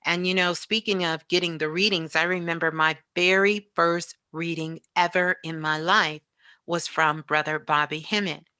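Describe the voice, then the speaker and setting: A woman's voice: fairly low pitch, fairly even intonation, normal speed, bright, forceful tone, clean tone, no echo. A woman speaking reflectively and conversationally as an interview guest and spiritual teacher, often checking in with the listener. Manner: frequently checks in with "you know".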